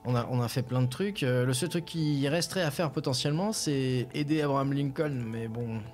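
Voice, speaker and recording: A man's voice: mid-range voice, a little fast, darkish tone. A man streaming a game, giving casual commentary as he hesitates and thinks aloud. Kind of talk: casual let's-play commentary. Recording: game music behind.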